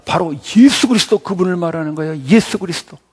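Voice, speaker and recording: A man preaching a Sunday sermon as pastor, asking his congregation questions and answering them, dropping to near-whispers and rising to shouts. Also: high voice, fast talker, breathy edge, big-room sound. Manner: swings from soft near-whispers to loud shouted exclamations. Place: church sanctuary.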